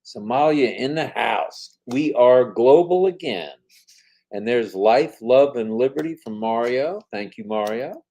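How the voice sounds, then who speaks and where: A man's voice: medium pitch, animated, unhurried, warm tone, poor audio. An older man co-hosting a casual live-stream chat, reading viewer comments aloud in an upbeat, chatty way.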